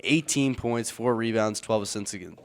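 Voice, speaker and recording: A man's voice: fairly low pitch, moderate pace. A young man co-hosting a college sports podcast, playful and joking. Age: young adult. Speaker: co-host.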